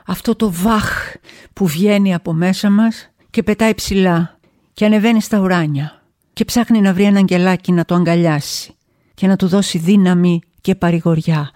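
A woman hosts a monologue podcast with a theatrical, emotive delivery. She jumps from loud outbursts to near-whispered asides. Her voice sits at a middling pitch. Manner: theatrical, emotive, shifting between loud exclamations and hushed asides. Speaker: podcast host.

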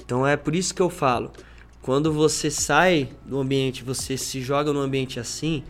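A man, a podcast guest, telling a story in a casual, animated way, full of slang fillers and acted-out dialogue. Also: mid-range voice, moderate pace. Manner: slangy, peppers speech with "cara" and "mano"; acts out quoted dialogue in changing voices.

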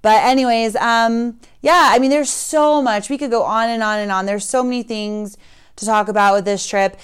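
Slightly hoarse woman chatting casually. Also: on the high side, steady tone, normal speed. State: slightly hoarse from screaming and talking. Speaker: podcast host. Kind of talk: casual podcast chat.

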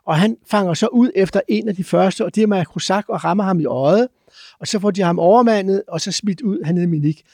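Man, high voice, dry close sound, animated storyteller, lots of hesitations. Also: no room sound. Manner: halting, many filler sounds; lively, acts out chants and sounds. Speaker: guest explorer.

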